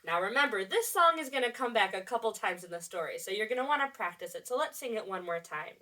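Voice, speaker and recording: A woman teacher reading a picture book aloud to young children, with simple, repetitive, expressive phrasing and friendly asides to the listeners. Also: medium pitch, fast.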